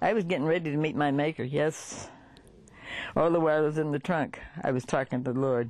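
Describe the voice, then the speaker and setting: A woman with a very deep, low pitch talks at a fairly quick pace, her pitch varying in an ordinary way and her loudness very even, broken by long, frequent pauses. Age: 80s+. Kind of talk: interview answer. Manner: feisty.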